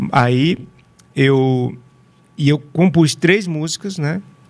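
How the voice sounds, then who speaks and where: Pitch variation here is ordinary. The delivery comes at a very slow pace. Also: man. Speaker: spiritist musician and composer. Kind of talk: interview conversation. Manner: halting with repetitions.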